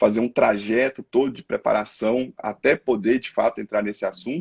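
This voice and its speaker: A man with an ordinary speaking voice talks at a moderate pace and medium pitch, the sound dry and close with no echo. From Rio de Janeiro, Brazil. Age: 40s. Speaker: psychiatrist. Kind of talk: casual live chat. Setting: online livestream.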